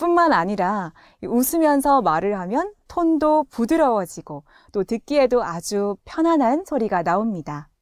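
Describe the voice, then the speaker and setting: A woman speaks at a fairly slow pace with very wide pitch swings. The sound is dry and close with no echo, over a quiet background. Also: fairly high pitch for a woman. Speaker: voice coach. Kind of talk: lecture. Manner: clear, trained broadcast diction.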